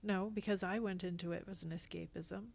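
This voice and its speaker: A woman's voice: on the low side, steady tone, a little fast, vocal fry. A woman speaking as a podcast guest in casual, reflective conversation, with an earnest, emphatic way of talking. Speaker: podcast guest, theatre actor and company founder.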